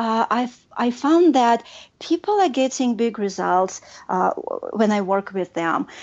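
Her voice is high-pitched, with lively intonation. The woman keeps to a fairly slow pace. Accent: Russian. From Russia. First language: Russian. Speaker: business coach. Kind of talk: interview. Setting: phone call.

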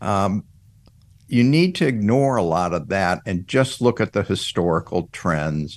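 Against a quiet background, a man with a normal speaking voice talks at a fairly slow pace, his pitch fairly low and his intonation lively. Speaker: financial planner. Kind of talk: interview.

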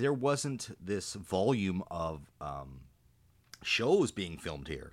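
Recorded very cleanly with a silent background, a man with a very deep, low pitch makes very wide pitch swings. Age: 50s. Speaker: podcast host. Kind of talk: casual interview; scripted intro.

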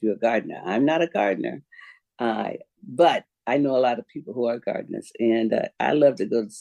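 Recorded dry and close with no echo against a quiet background, a man with an American accent talks at a moderate pace in a dark, mellow tone. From Florida. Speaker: radio host and reverend. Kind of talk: casual radio talk show.

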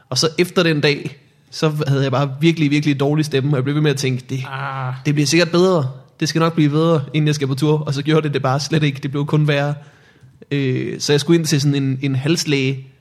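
Somewhat breathy and fairly high in pitch, a man talks at a fairly quick pace with monotone, flat intonation. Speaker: comedian. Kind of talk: casual chat about comedy and daily life.

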